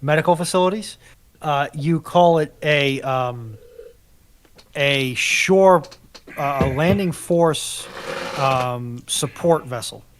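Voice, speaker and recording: A man's voice: a little high, takes it slowly. A man bantering casually as a panelist on a live stream, wry and mock-exasperated.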